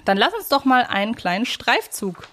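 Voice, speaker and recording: A woman's voice: a little high, big pitch swings, normal speed, pushed and bright. A woman co-hosting a casual fan podcast, talking in a chatty, reflective way. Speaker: podcast co-host.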